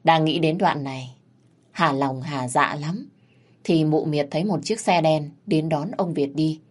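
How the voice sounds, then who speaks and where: A woman narrating a scripted story in a steady, plain storytelling manner. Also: deep voice, measured pace.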